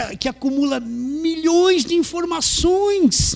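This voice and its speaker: Over noticeable background noise, a man speaks in an animated tone with lively intonation. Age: 60s. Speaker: pastor. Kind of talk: sermon. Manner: conversational, animated.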